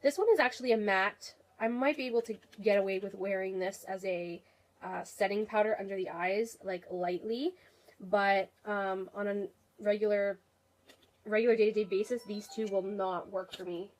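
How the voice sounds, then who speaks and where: A woman's voice: medium pitch, steady tone, moderate pace, darkish tone, rough recording. A young woman with a head cold chats to her camera about her makeup, her voice nasal and congested. She rambles in a friendly, casual way, full of ums and restarts, speaking in a middle-range voice. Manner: chatty, rambling, many fillers. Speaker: beauty vlogger.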